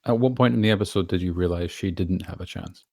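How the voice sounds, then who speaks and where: A man's voice: low-pitched, fast talker, darkish tone, no echo, studio quality. A man chatting casually on a podcast as a voice actor, earnest and emphatic.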